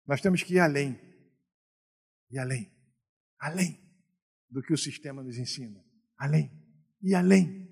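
A middle-aged Brazilian man preaching a sermon as a pastor, telling stories and moving from quiet asides to loud exhortation. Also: on the high side, unhurried, gravelly, pauses often, breathy edge, big-room sound. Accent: Brazilian Portuguese.

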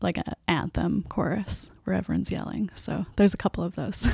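A soft-spoken Canadian woman, a band's singer and guitarist, answering interview questions with a hesitant, laughing way of talking. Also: on the low side, normal speed, vocal fry, husky, no echo, clean studio sound. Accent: Canadian English. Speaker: band's lead vocalist and guitarist.

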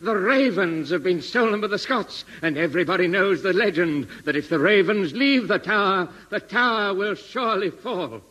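A gloomy comic soldier in a 1950s radio comedy. The delivery is blunt, in a high, forceful, bright-edged voice. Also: male voice, expressive, moderate pace, hardly any pauses, heavily acted. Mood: gloomy, earnest.

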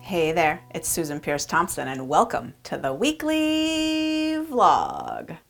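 A woman's voice: takes it slowly, gravelly, faint music behind. Chatty, earnest woman in her forties. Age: 40s. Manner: chatty and earnest, with many fillers and lively pitch jumps. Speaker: podcast host. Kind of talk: personal reflective monologue.

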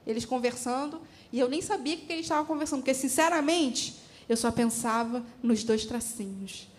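A woman in her thirties speaks in a high, bright register. She tells a church testimony as a story, acting out her own past words with open emotion. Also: fairly quick. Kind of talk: sermon testimony.

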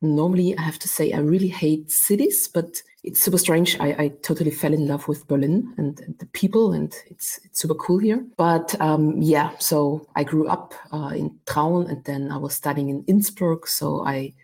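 A woman's voice: sits low, normal speed, creaky, few pauses, a little mellow, slightly rough. A woman of about forty from Austria, speaking as an upbeat, chatty interview guest at home. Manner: upbeat, laughs often, chatty. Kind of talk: casual interview chat. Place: her flat at home.

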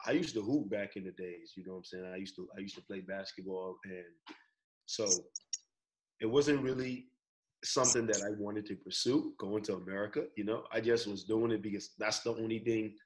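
A young man from the Bahamas with a Bahamian accent, a guest in a casual interview over a video call, relaxed and laid-back, often saying "bro" and "you know". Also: fairly low pitch, fairly quick, poor audio. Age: young adult. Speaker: guest, college athlete.

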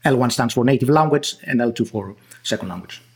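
A man's voice: medium pitch, a little fast, breathy edge. A man from Greece with a Greek accent, a guest researcher in an interview, explaining with frequent restarts and fillers. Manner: hesitant, many restarts and fillers.

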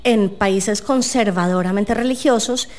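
A young woman hosting a casual interview, talking quickly and chattily with frequent filler phrases. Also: medium pitch, a little mellow. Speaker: podcast host.

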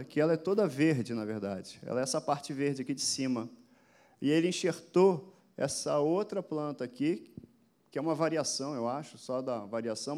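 A man's voice: a little high, darkish tone. A man preaching a sermon with a slightly raised voice. He speaks to his listeners through a camera, throwing rhetorical questions at them and driving his points home with rising emphasis. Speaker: pastor. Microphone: addressing a camera for an online audience.

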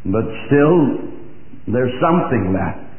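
Older male preacher, slow emphatic delivery, lively pitch, tinny old hall recording. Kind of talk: sermon.

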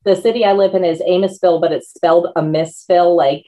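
A woman's voice: fairly low pitch, steady tone, fast talker, warm tone. A woman in her forties, an author talking casually as an interview guest, chatty and laughing often. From Northern Virginia, USA. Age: 40s.

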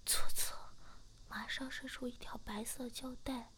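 A woman telling a story almost entirely in a whisper. The voice sits a little high and stays hushed and steady from line to line. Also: a little slow. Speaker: narrator.

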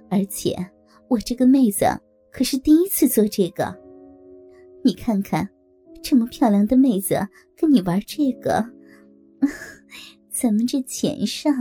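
Woman voicing a bold teasing madam, giggling, coaxing, breathy, soft music. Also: fairly high pitch, full character voice. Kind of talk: audio story reading.

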